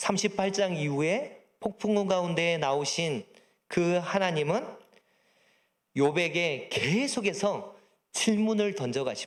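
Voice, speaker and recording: A man speaks in a high pitch with ordinary pitch variation and very even loudness. His pace is very slow, with long, frequent pauses. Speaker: pastor. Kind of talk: sermon.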